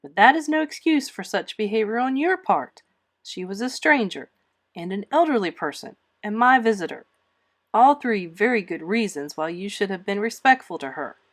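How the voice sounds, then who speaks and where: A woman's voice: mid-range voice, animated, moderate pace, natural voice. A woman voicing a stern, dry elderly spinster guardian in a storybook, scolding firmly in clipped phrases. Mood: severe.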